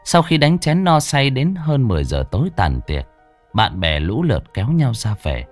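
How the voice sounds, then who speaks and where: A man's voice: medium pitch, huge pitch swings, moderate pace, soft background music. A man narrating a ghost story in a dramatic, suspenseful way.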